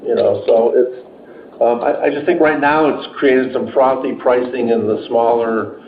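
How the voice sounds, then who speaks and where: A man's voice: medium pitch, fairly even intonation, a little slow, a little hiss or hum. Man on a roomy, muffled conference call. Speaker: company executive. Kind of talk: earnings call answers, off the cuff. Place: indoor room on a conference call.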